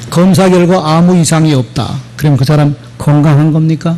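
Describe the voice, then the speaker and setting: Noticeable background noise surrounds a man speaking at a fairly slow pace. His pitch is fairly high. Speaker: pastor. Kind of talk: sermon. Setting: church.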